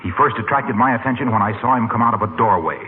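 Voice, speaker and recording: An actor playing a calm, friendly family friend who tells a story earnestly in a 1940s radio comedy. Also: male voice, lowish voice, fast talker, lightly acted. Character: friendly level-headed male family friend. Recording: tinny old radio broadcast with faint hiss.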